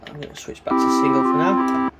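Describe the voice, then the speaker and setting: Man demoing gear over loud synth tones. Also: a little high, a little fast, over loud music. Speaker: synthesizer demonstrator. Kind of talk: casual hands-on gear demo commentary.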